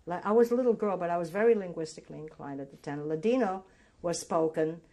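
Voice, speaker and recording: An older woman from Greece, a native Greek speaker, recalling her memories in an oral history interview, halting and restarting as she remembers. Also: on the low side, mellow.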